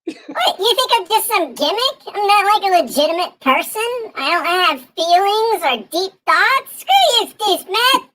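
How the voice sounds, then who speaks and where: A man voicing a cheeky, touchy male talking pickle through a pitch-raising face filter, ranting in a whiny, brash comic way. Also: very animated, a little slow, bright, forceful tone, heavily acted, rough recording. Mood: indignant.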